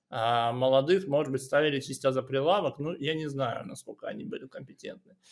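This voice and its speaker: A normal speaking voice from a fairly high-pitched man, fairly quick, with ordinary pitch variation and big swings in loudness. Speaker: guest, streamer and gamer. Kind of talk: casual conversational chat. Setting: remote call, midnight.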